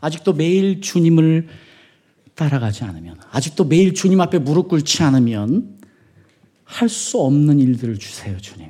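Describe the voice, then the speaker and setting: At a moderate pace, a man with a fairly high pitch and a dark, mellow tone makes very wide pitch swings. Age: 50s. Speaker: visiting missionary preacher. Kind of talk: sermon. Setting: church. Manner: preaches without notes.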